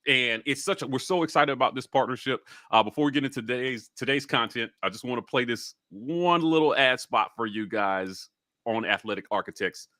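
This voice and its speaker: A man's voice: mid-range voice, a little fast, sharp tone, no room sound, clean studio sound. A man co-hosting a sports talk show, speaking casually and enthusiastically through sponsor reads and banter in a chatty way.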